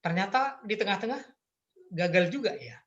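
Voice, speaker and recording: A middle-aged man from Madura talks about his work as a lecturer. His voice is bright and forward, with an earnest, easygoing manner and a habit of laughing at himself. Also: high voice, lively intonation, normal speed, muffled recording. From Madura, Indonesia. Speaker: Arabic lecturer, app creator. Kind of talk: casual conversation.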